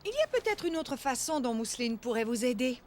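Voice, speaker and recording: A woman voicing a gentle, upbeat, playful mother in a children's cartoon. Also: a little high, very animated, fairly quick. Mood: encouraging. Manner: bright encouragement, playful.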